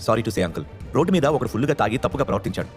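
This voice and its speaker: A man's voice: medium pitch, big pitch swings, rapid-fire, faint music behind, lightly acted. A man doing an earnest young hero. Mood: pleading. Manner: earnest, pleading. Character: calm, stubborn young man defending himself.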